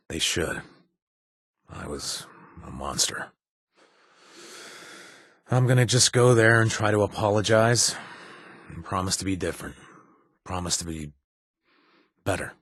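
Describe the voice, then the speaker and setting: A husky ex-raider companion. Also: male voice, low-pitched, expressive, measured pace, pauses often, no echo, clean studio sound. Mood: remorseful. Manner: wry, punning, self-deprecating. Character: male ex-raider wasteland companion, remorseful, wry. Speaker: game companion character. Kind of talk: video game voice acting. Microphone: studio mic, dry booth.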